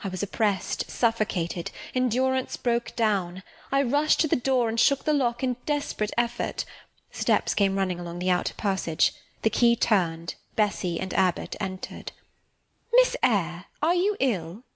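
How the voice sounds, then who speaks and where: A woman narrating a classic novel for an audiobook. Her reading is measured and expressive, and she slows down for suspenseful phrases. Her voice sits in a middle register. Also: mid-range voice. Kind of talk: scripted narration.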